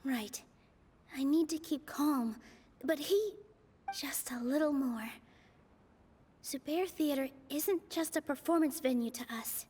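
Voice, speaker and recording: Earnest young game dancer, soft, sincere, high voice. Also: female voice, slow, pauses often, slight background noise. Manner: soft, sincere, inner-monologue murmurs. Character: earnest young female dancer defending her theater.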